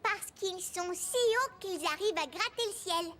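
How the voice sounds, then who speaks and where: A woman's voice: very high voice, expressive, normal speed. A woman voicing a curious, cheerful four-year-old boy in a cartoon, asking eager childlike questions. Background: music.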